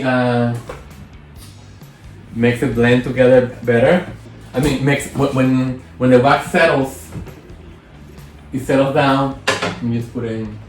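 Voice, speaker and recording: A man with a Spanish accent talking through a candle-making session in a casual, rambling way, often correcting himself as he goes. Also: mid-range voice. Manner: rambling, self-correcting, chatty. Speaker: candle maker. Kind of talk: casual hands-on tutorial. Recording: roomy echo, faint music.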